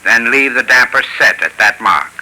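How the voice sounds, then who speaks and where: Bright-voiced 1930s radio pitchman. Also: animated, poor audio. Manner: measured, instructive address to listeners. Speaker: sponsor's heating expert. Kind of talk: scripted advertising talk. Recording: old radio broadcast.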